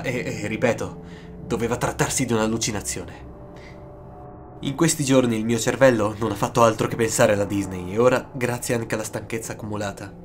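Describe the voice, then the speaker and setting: A man narrating a scripted first-person horror story, with dramatic, suspenseful pauses. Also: mid-range voice. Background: music.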